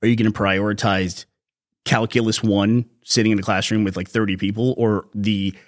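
A middle-aged man hosting a podcast in casual chat, slightly hoarse, explaining things at a relaxed, rambling pace. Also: fairly low pitch, normal speed. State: a little hoarse. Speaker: podcast host.

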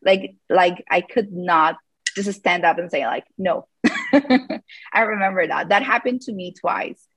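A woman's voice: lowish voice, very animated, unhurried, fairly bright tone, husky, no room sound. Hesitant woman in her thirties. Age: 30s. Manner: hesitant, lots of fillers and restarts, laughs often. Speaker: guest, yoga teacher. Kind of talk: casual live-call interview.

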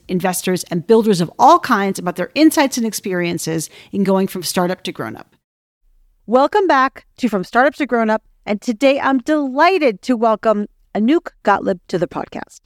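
A woman's voice: on the high side, no room sound, studio quality. A woman speaking as a podcast host and interviewer. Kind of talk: scripted podcast introduction and interview.

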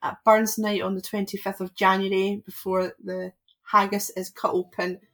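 A woman's voice: mid-range voice, level tone, moderate pace, fairly bright tone. A Scottish woman from Scotland, a podcast guest talking casually with frequent ums and restarts.

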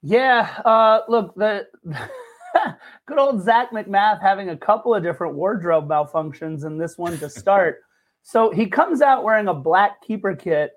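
A man co-hosting a casual sports podcast, wisecracking and teasing his co-host. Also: high-pitched.

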